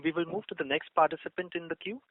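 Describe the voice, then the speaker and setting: A man's voice: on the high side, fast, no echo. Formal male operator, tinny phone. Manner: formal, polite. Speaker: conference call operator. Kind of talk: scripted moderation announcements. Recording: dry, tinny phone line.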